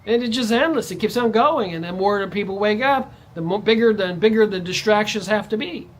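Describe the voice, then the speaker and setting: A man's voice: high-pitched, brisk. A man vlogging in a ranting monologue, his voice jumping up sharply on stressed words. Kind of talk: monologue to camera.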